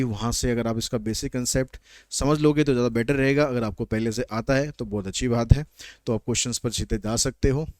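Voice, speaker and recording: A male maths teacher walks his viewers through word problems one step at a time, chatty and a little teasing. His voice is smooth and crisp, at a middle pitch. It is recorded close up on a dry mic. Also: a little mellow, dry recording. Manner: explains step by step, code-switching English questions into explanation. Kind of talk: online maths lesson.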